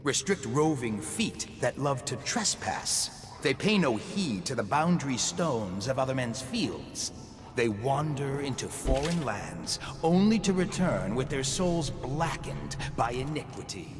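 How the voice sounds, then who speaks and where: Zealot preacher in a game: solemn and declaiming, in a long reverb with music behind him. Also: male voice, mid-range voice, very animated, unhurried. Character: stern zealous male preacher reciting doctrine.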